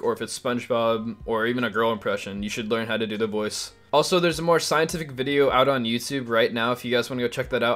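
A man's voice: mid-range voice, a bit bright. A man hosting a casual video tutorial, upbeat and talking straight to his viewers. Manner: chatty, upbeat, direct to viewers. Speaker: YouTube host.

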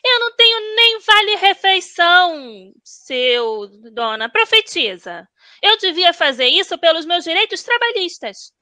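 Sassy royal maid played by a woman, very high sharp voice, Brazilian accent, comic radio play. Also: sing-song, unhurried, heavily acted. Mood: indignant. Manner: sarcastic, cheeky. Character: insolent, sassy royal maidservant, complaining to her king. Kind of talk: comic audio drama acting.

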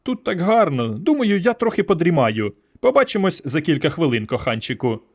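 A man's voice: fairly high pitch, big pitch swings, normal speed, voice pushed up. A man voicing a flirty, teasing alien woman who has slipped into a man's head. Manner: teasing, playful.

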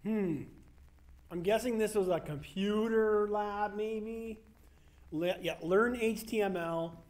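A middle-aged man casually talking viewers through an abandoned school as he walks, calling them guys in low-key asides, on a handheld camera mic. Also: darkish tone. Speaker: urban explorer vlogger. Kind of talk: casual walkthrough commentary. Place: empty abandoned school, large indoor halls and rooms.

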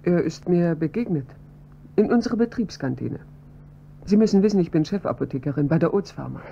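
An actress playing a composed, precise head pharmacist who comes to the police as a witness in a radio drama, speaking in a measured, guarded way. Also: female voice, fairly low pitch, expressive, vocal fry, mellow. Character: composed female head pharmacist, adult woman. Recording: dull, slightly noisy audio with hum.

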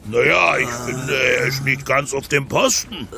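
Gravelly, big naive Gaulish warrior. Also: male voice, mid-range voice, measured pace, over music. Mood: naive, casual. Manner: childlike, eager, literal-minded. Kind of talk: comic cartoon radio play acting.

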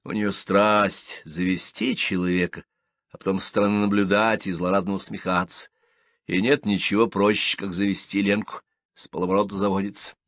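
A man's voice: deep voice, flat delivery, moderate pace, a bit bright, no room sound, studio quality. A man reading a literary story aloud in first person, expressively. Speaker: audiobook reader.

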